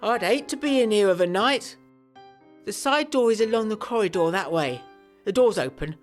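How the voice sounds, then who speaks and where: An actress puts on a plain-spoken working-class chambermaid for a period audio drama. The voice is raised and animated, blunt and colloquial, with faint music behind. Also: female voice, mid-range voice, moderate pace, voice pushed up, lightly acted. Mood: startled, chatty.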